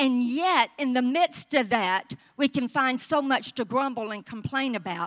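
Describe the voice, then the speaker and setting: With a Southern US accent, a woman talks at a fairly slow pace in a high pitch with lively intonation, and the recording is very clean with a silent background and a dry, close sound with no echo. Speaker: pastor. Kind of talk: sermon. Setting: church.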